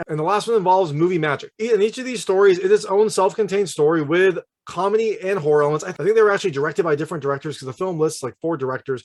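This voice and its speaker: A man hosting a casual video movie review, talking in a chatty, informal and emphatic way. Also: high voice. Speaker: film reviewer and channel host.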